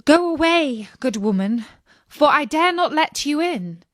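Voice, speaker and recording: A woman voicing a sweet, innocent young princess who speaks politely and gently. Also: high-pitched, lively intonation, a little slow, no room sound, studio quality, pitched above the performer's own voice.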